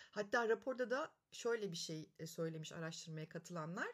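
A woman's somewhat breathy voice moves at a moderate pace, its pitch swinging very widely. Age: 40s. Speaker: podcast host. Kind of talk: solo podcast monologue. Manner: casual, conversational.

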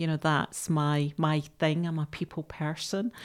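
A woman with a Scottish accent speaks in a fairly low pitch. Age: 50s. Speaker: university enterprise manager. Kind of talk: interview. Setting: studio.

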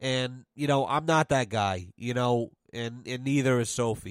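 A fairly slow pace in a very clean, dry, close recording, with no echo and a silent background. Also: man. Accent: strong Rhode Island. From Rhode Island. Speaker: podcast host. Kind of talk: casual chat. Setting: home recording. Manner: casual, filler-heavy, uses old-fashioned vocabulary.

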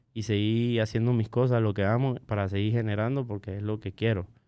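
Over a quiet background, a man speaks at a medium pitch in a dark, mellow tone. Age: 20s. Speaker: music producer. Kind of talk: casual interview.

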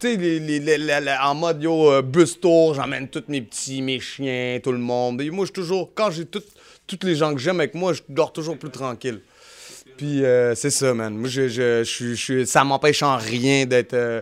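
With a very clean recording and silent background, a man in an ordinary speaking voice talks at a fairly slow pace, with a fairly high pitch and ordinary pitch variation. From Quebec City. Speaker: rapper. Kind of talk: casual chat. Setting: barbershop.

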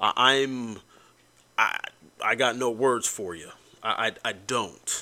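A man's bright, sharp voice at medium pitch, with an American accent. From United States. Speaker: podcast host. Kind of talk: monologue commentary. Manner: slow; halting.

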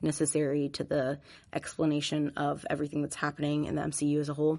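An animated, very fast delivery over a quiet background. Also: woman. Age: 20s. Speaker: podcast host. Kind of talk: casual solo chat. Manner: animated, frequent laughter.

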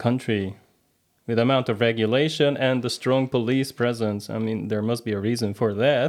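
A man with a Hungarian accent speaks with fairly even intonation. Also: quiet background. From Hungary. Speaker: history and English graduate, hike coordinator. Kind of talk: casual interview.

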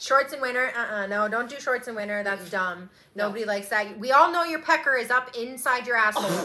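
Speaking very fast with a Canadian accent and hardly any pauses, a woman at a fairly high pitch shows ordinary pitch variation and big swings in loudness over noticeable background noise. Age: 30s. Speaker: podcast co-host. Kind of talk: casual chat.

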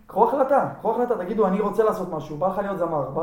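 A man's very fast speech with ordinary pitch variation, amid noticeable background noise and audible room echo. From Israel, Beersheba. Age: 20s. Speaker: kids' fitness coach. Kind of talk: casual interview.

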